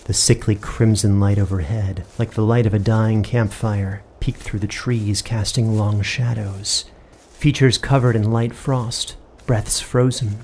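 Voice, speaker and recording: A man's voice: lowish voice, fairly even intonation, measured pace, darkish tone, a little hiss or hum. A man working as game master, reading dramatic scripted fantasy-horror narration. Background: music.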